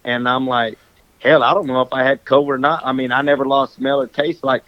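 A man who works as a coach, hoarse and losing his voice, chatting casually and swearing. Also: mid-range voice, little pitch movement, brisk, dry recording, muffled recording. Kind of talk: casual chat.

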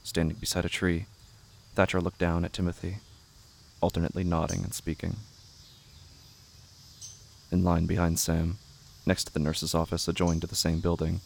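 A man with a gravelly voice narrating a literary horror audio drama in measured, somber, short phrases. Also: low voice, darkish tone. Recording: faint background noise with night insects.

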